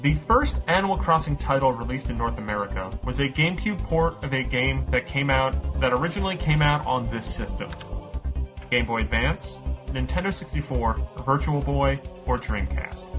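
A man's voice: medium pitch, animated, moderate pace, muffled recording, music in the background. A man hosting a casual podcast quiz, reading out questions and answer choices and laughing often.

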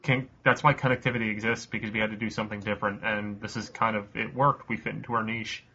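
A man's voice: fairly low pitch, level tone, quick pace, bright, forceful tone, muffled recording. A man co-hosting a podcast in casual chat, joking and swearing loosely. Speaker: podcast co-host.

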